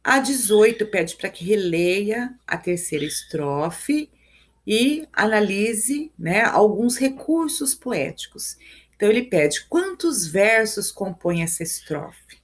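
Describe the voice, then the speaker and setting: A woman's voice: mid-range voice, big pitch swings, slow. Brazilian woman teaching step by step. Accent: Brazilian Portuguese. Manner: explains step by step, counts syllables aloud, tags lines with "né?" and "ok?". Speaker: Portuguese teacher. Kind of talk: live review lesson.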